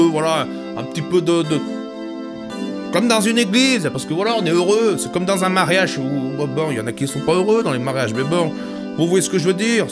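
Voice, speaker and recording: A young man from Savoie with a Savoyard French accent, chatting casually as a music producer, rambling and stammering with joking asides. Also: a little high. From Savoie, France. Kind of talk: casual music-making vlog.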